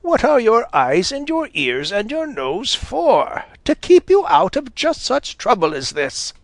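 A man voicing a sharp-tongued, cross old female fox in a storybook. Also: extremely high pitch, wildly swooping pitch, unhurried, gravelly, no echo, pitched above the performer's own voice, full character voice. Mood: lecturing. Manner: scolding, snappish.

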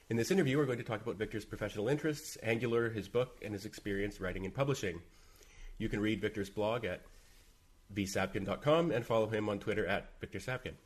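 A man hosting a podcast, reading a prepared introduction and then asking questions with some hesitant "um"s. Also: lowish voice. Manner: brisk, reads the intro smoothly, hesitant with "um" when asking questions. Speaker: podcast host.

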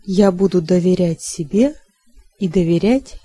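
A woman reading a language-learning text aloud in a slow, calm, deliberate way. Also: fairly low pitch, husky, dry recording.

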